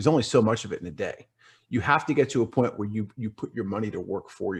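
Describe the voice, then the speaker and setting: Somewhat breathy, a man with an American accent talks at a very fast pace on a very clean recording with a silent background. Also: medium pitch for a man, ordinary pitch variation. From Eastern Long Island, New York. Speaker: business coach and speaker. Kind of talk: interview answer. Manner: calm, never raises his voice.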